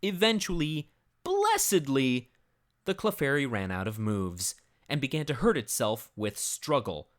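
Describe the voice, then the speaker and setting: A narrator performs a dramatic reading of a comedic tale. The delivery is theatrical and grave, like a solemn storyteller, with highly animated pitch that rises and falls widely. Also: unhurried.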